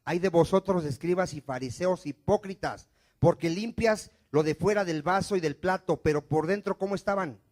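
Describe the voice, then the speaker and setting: Guy preaching in church, high voice, fires questions then answers them, loud then suddenly quiet. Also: normal speed. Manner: call-and-response preaching, asks questions and answers them himself; swings from loud emphatic lines to dropped, quiet endings. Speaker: pastor. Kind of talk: sermon.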